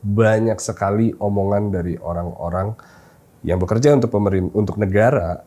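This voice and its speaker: A man with an Indonesian accent hosting a casual interview, relaxed and quick to laugh. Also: fairly low pitch. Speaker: interview host.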